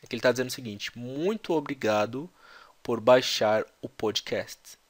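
Brief: male English teacher, mid-pitched voice, casual, slow repeats of phrases. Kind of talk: language lesson vlog.

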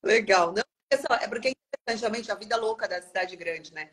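A woman's voice: mid-range voice, fast, fairly bright tone. A woman in her thirties hosting a casual interview over a video call from a small office, chatty, with many restarts. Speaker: interviewer host. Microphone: video call, webcam.

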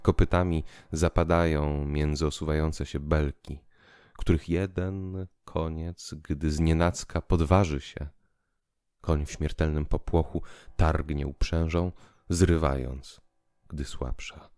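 Deep-voiced man, slow dramatic narration. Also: fairly even intonation, darkish tone, clean tone, no echo. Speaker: audiobook narrator. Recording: music bed under the voice. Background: piano and musical accompaniment.

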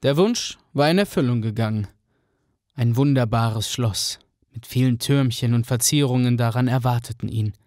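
A man's voice: mid-range voice, normal speed, no echo. Man narrating a fairy tale, dry and close. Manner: even, storytelling.

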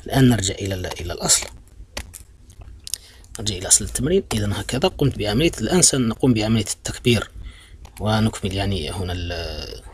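A male math teacher with a low voice explains a problem slowly and patiently. He repeats each step, pauses on fillers and corrects himself. A faint hiss of noise sits behind his voice. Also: lively intonation. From Algeria. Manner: patient, repetitive, addresses students as "my children"; many fillers and self-corrections. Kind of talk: blackboard-style math lesson.

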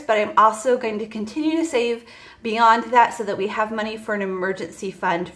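A woman's voice: fairly high pitch, fairly bright tone, roomy sound. A woman in her forties, chatting casually to viewers about her budget while counting cash at a table. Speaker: budgeting vlogger. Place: indoors at a table. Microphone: voice heard over top-down table camera, hands only.

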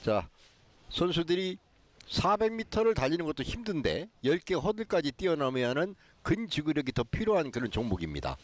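A man's voice: a little high, sing-song, a little fast, dry recording. A man giving live athletics commentary as an analyst, explaining things with emphasis.

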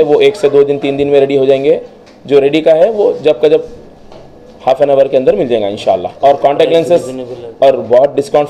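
Shop owner at a press event, very dark and mellow voice, measured promotional delivery into a bank of microphones. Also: male voice, mid-range voice, a little hiss or hum, poor audio. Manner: promotional, listing services and phone numbers. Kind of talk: press statement. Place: crowded shop indoors. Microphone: cluster of press microphones on table.

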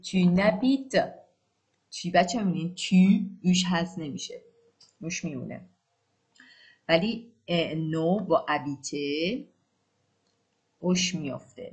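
A woman who speaks Persian as her first language, teaching a French lesson. She explains fast and repeats the French phrases slowly and clearly. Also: low voice.

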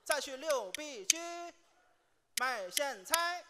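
This is a man delivering comic folk verses on a theater stage. He pitches his voice very high and stretches every phrase slowly, keeping a deadpan sing-song. The stage recording carries clear noise underneath. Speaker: lead crosstalk performer. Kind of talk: sung comic storytelling with clapper boards.

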